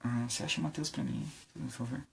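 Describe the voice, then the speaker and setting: A man's voice: mid-range voice, wildly swooping pitch, fairly quick, vocal fry, a little hiss or hum. A man preaching an informal sermon on a live stream, conversational, with many fillers and rhetorical questions.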